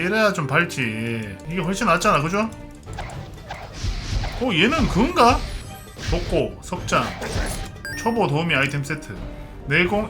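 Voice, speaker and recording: Animated Korean game streamer with bright tone. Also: male voice, high voice. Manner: chatty, muttering to himself, bursts into mock-archaic martial-arts role-play. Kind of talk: casual gameplay commentary.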